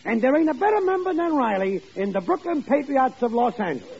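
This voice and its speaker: An actor playing a genial, dim lodge brother in an old-time radio sitcom, with folksy, ungrammatical talk and grand words. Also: male voice, extremely high pitch, sing-song, fast, vocal fry, heavily acted. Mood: genial, oblivious. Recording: dull vintage radio recording, faint noise.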